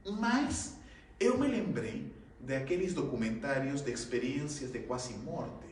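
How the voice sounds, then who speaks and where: A man giving a humorous spiritist talk, acting out his own gasps and shouts and laughing often as he tells the story. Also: mid-range voice, lively intonation, takes it slowly. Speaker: spiritist lecturer. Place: lecture hall. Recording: very echoey hall, mic at a distance.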